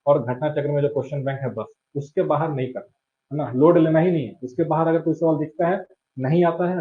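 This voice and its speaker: A man's voice: on the high side, narrow, tinny audio. A male teacher gives exam advice in a conversational coaching-class lecture and keeps checking in his students.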